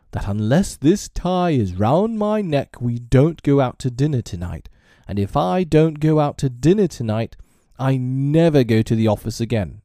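Pompous storybook father, played by a male reader, theatrical and self-pitying, with big swings in pitch. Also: dry recording, clean studio sound, heavily acted. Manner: loud, sarcastic, pompous. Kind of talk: storybook character reading.

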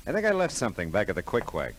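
An actor playing a cool, laconic hard-boiled private detective with wry delivery in a 1940s radio drama. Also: male voice, on the low side, wildly swooping pitch, very fast, low-quality recording. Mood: brooding narration. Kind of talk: 1940s radio drama acting and noir narration. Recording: old radio recording, music behind.

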